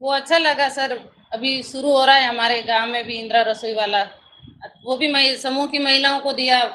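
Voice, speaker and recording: High bright woman on a noisy call. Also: fairly even intonation, moderate pace. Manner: earnest, formal proposal. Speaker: self-help group president. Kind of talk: video call remarks.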